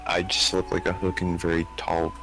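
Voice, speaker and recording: A man's voice: low-pitched, completely flat delivery, over music, low-quality recording. A young man calling in as a guest artist, teasing and swearing in casual chat. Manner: slow, gravelly, teasing with lots of swearing.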